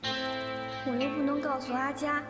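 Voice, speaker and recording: A woman's voice: high voice, little pitch movement, measured pace. An actress playing a naive, good-natured young office girl who talks earnestly and gets flustered. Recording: TV drama soundtrack with clear music.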